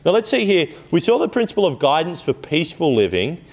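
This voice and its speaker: Male preacher, slightly high voice, loose conversational sermon delivery with asides. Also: sing-song, fairly quick, vocal fry. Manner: conversational storytelling with frequent asides and restarts.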